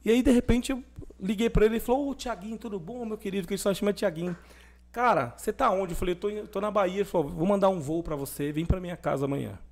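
A young adult man speaking as a podcast guest, his voice sitting a little high for a man. He tells his story with energy and plays out the lines of the people in it as he goes. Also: quick pace. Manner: animated testimony, acting out quoted dialogue. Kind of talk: conversational storytelling.

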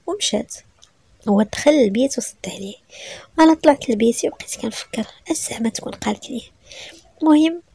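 A woman storyteller with a Moroccan Arabic accent tells a first-person story at a rapid clip. Her voice is gravelly and dark with a slightly high pitch, and the sound is dry and close. She tells it in an emotional, breathless way. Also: dry recording.

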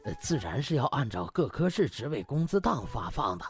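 A man's voice: mid-range voice, big pitch swings, a little fast, faint music behind. A man playing an uneasy older male party official in an audiobook, hesitant and officious. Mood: flustered. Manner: hesitant, officious, throat-clearing.

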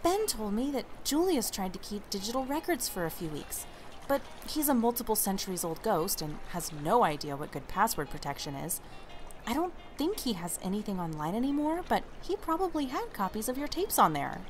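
Woman acting suspicious blunt woman, audio drama, animated pitch, casual sardonic delivery, faint music behind. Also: fairly quick, natural voice. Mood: explaining. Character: wary, suspicious, blunt woman among supernatural friends.

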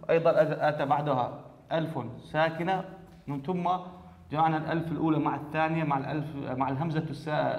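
A man teaching a grammar lesson in a classroom, explaining step by step and repeating key words. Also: a little high. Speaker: Arabic teacher. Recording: echoey hall, dull lo-fi sound.

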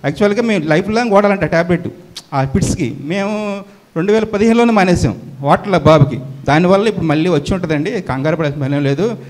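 A middle-aged man, giving an earnest, halting, emotional church testimony. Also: sits high.

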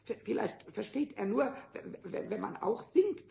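A man voicing a small, cheeky, impulsive kobold in a children's radio play, squeaky and stammering with repeated words. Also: big pitch swings, normal speed, vocal fry, darkish tone, heavily acted. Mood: pleading. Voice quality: squeaky, high-pitched. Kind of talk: 1970s German children's radio play acting. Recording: noisy old vinyl radio-play recording.

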